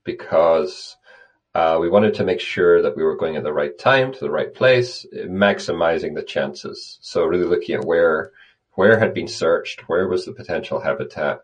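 A man with a very low, deep voice answers interview questions in an easy conversational way. He speaks thoughtfully, often restarting a phrase before carrying on. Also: normal speed. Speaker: conservation guest.

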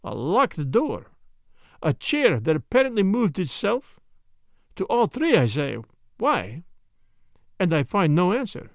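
A man's voice: high-pitched, wildly swooping pitch, no echo, studio quality, full character voice. A man voicing a polite, self-important Belgian detective with a French-speaking Belgian accent and mannered, precise phrasing, in a storybook reading. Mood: musing. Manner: mannered, deliberate, foreign phrasing.

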